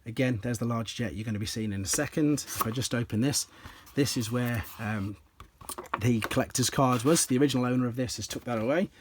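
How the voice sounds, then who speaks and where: A slightly hoarse man, an enthusiastic toy collector, casually explaining and demonstrating pieces from his collection step by step, with frequent ums. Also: mid-range voice, brisk, background noise. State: slightly hoarse, clears throat.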